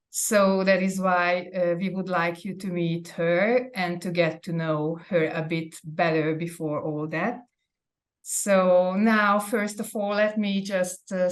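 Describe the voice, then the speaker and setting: Soft-spoken woman host, halting phrasing. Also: lowish voice. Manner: hesitant, many fillers, polite and thankful. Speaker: interviewer, host. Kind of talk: interview host.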